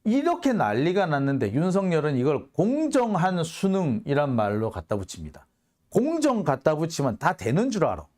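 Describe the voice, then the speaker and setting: A man's voice: a little high, huge pitch swings, moderate pace, a little mellow. A man hosting a political commentary monologue, heated and sarcastic, firing off rhetorical questions.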